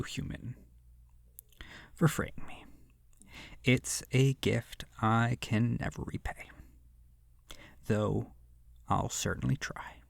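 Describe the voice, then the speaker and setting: Slow, creaky, seductive vampire, acted out by someone. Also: mid-range voice, darkish tone, no room sound, clean studio sound, heavily acted. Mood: possessive, menacing. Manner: slow, breathy near-whisper, theatrical and menacing. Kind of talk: scripted horror audio roleplay, ASMR.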